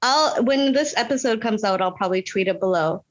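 A woman's voice: mid-range voice, brisk. A woman from Canada, a guest actress in a casual interview, telling stories animatedly with lots of "like" fillers and acted-out quotes. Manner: animated, frequent "like" fillers, quotes people in voices.

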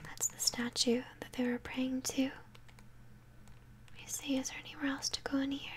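A young woman whispers gently and breathily into a close mic, commenting on a game she plays in ASMR style. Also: high voice, flat delivery. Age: young adult. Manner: gentle, unhurried murmuring. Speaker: game streamer. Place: small indoor room at home. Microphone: close microphone. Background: game music.

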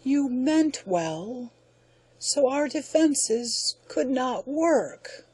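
A woman reading the part of a dying alien overlord, speaking slowly in a gasping, bitter way. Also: sits high, animated, darkish tone, husky, dry recording, pitched above the performer's own voice, exaggerated voice.

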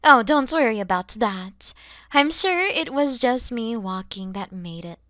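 Woman voicing a bright, expressive motherly dragon lady. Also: on the high side, unhurried, no echo, clean studio sound. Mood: caring, gentle. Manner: expressive, teasing, gentle, addressing the listener directly. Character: kind motherly dragon woman, mature, playful, easily flustered. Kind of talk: ASMR audio roleplay acting.

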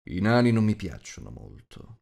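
A man voicing a gruff, rude, huge shape-changer who growls and talks bluntly. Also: deep voice, sing-song, moderate pace, a little mellow, heavily acted.

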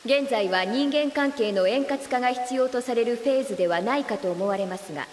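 An actress playing a composed, logical female android in a Japanese audio drama, speaking formally in a measured, deadpan manner. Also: fairly high pitch, slight background noise, lightly acted. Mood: detached, analytical.

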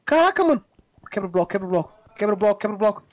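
A man's voice: sits high, big pitch swings, rapid-fire, muffled recording. A man playing along as a guest, panicking and joking in slangy casual chat. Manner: panicky, slangy, repeats words. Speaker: guest player.

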